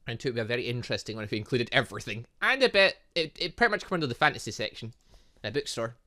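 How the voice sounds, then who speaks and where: A man giving excitable, rambling casual commentary as he plays a visual novel as a gaming host. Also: medium pitch, rapid-fire. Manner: excitable, rambling, reacting aloud. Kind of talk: casual game commentary with lines read aloud from a visual novel.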